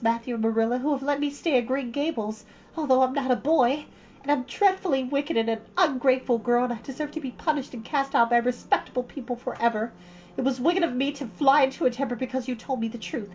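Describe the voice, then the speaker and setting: A woman voicing an imaginative, talkative orphan girl who speaks in a high, gushing, dramatic way. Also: lively intonation, moderate pace, darkish tone, natural voice. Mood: pleading. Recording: slightly dull lo-fi recording.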